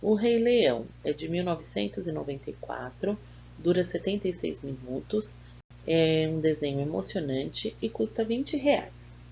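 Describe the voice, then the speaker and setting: Woman, Brazilian accent, teacher, lowish gravelly voice, faint hum behind. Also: animated, warm tone, dull audio. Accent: Brazilian Portuguese. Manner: slow, patient, spells words syllable by syllable. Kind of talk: correcting schoolbook exercises.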